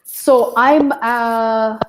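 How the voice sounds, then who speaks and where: A woman from Uganda speaks in a somewhat high, friendly voice. She sounds upbeat and chatty. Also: fairly even intonation, extremely slow. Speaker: panel guest. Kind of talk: casual video call chat.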